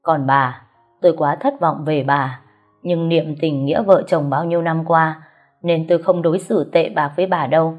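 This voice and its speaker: Woman voicing a weary older man, lowered voice, heavy sighing, firm, faint music. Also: fairly even intonation, normal speed, lo-fi sound. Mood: weary stern.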